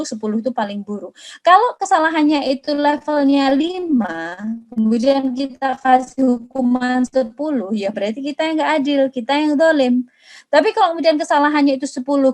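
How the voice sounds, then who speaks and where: A young woman doctor giving casual parenting advice, speaking straight to mothers and acting out everyday examples. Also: high-pitched. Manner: chatty, addresses mothers directly, acts out quoted examples.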